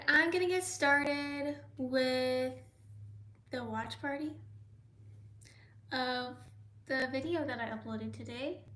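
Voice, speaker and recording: A young American woman hosting a casual livestream, reading viewer comments aloud and often slipping into soft whispers. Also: high-pitched. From United States. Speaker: livestream host.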